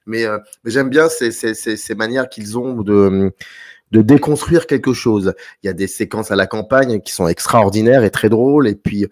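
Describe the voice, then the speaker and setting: A man's voice: lowish voice, moderate pace, a little mellow. A man from France hosting a casual film discussion, thinking aloud with enthusiasm. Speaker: host.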